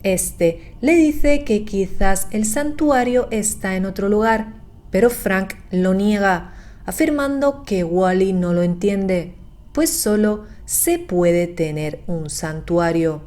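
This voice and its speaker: A woman narrates a scripted horror recap in a measured, explanatory way. Her voice is dark and mellow, with a medium pitch and a very slow pace.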